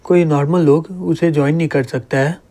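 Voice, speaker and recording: Guy narrating as a jealous scheming young dude, gloating, soft high-ish voice. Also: fairly even intonation, fairly quick, close to an everyday voice.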